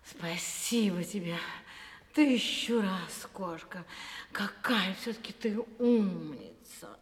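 A woman's voice: medium pitch, big-room sound, heavy background noise, close to an everyday voice. An actress playing a frightened, fussy cave woman who squeals and gushes with thanks, in a vintage radio play. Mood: relieved. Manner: squealing, fussy, quick exclamations.

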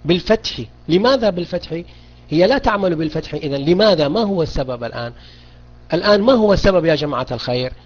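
A man's voice: a little high, animated, fast. A man teaching a beginners' grammar lesson online, questioning students and repeating key points. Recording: dull lo-fi audio.

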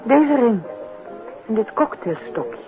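An actress playing a polite, earnest, apologetic countess in a 1950s radio drama. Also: female voice, a little high, very animated, takes it slowly. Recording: narrow 1950s radio recording with music.

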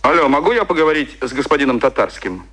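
An actor playing a brisk, formal agency boss on the telephone in an audio drama, clipped and matter-of-fact. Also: male voice, mid-range voice, big pitch swings, a bit bright, breathy edge. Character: brisk, businesslike male agency boss phoning. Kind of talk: audio drama phone dialogue.

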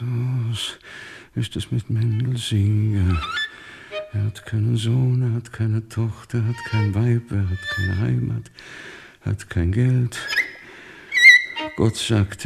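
Old Jewish teacher for radio drama: deep, creaky, despairing and defiant. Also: male voice, slow pace, over music. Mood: anguished, loud. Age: 60s or older. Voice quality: gravelly, husky. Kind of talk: radio play acting.

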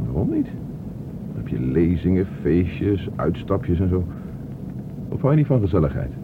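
A man's voice: deep voice, very animated, moderate pace. An actor playing a talkative middle-aged father in a radio play, insistently questioning and fussing over his son. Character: talkative, probing father eager to know his estranged son. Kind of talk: Dutch radio play acting. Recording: muffled, noisy old radio play recording.

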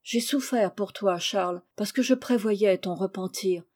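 A woman reading as a gentle, wise, affectionate young woman in a storybook, tender and measured. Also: medium pitch, lightly acted.

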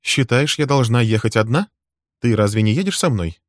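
A scorned, furious wife hurls accusations in a high, shrill, cutting voice, as a male reader of a crime story puts her on. The sound is dry and close, with no room around it. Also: lively intonation, moderate pace, dry recording, natural voice. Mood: sharp. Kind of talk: dramatic audiobook reading.

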